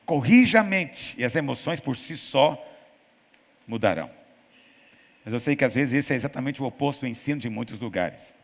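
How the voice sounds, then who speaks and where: A man preaching as a pastor in a church teaching session, telling stories and acting out quoted voices with lively emphasis. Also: mid-range voice, moderate pace, vocal fry, long pauses, long reverb tail. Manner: animated storytelling, acts out quoted voices.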